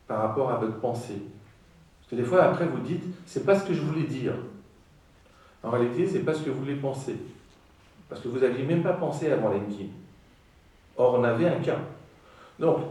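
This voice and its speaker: A man's voice: mid-range voice, warm tone. A man giving a public lecture in an auditorium, speaking emphatically and putting rhetorical questions to the audience. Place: large auditorium. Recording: echoey auditorium from far off.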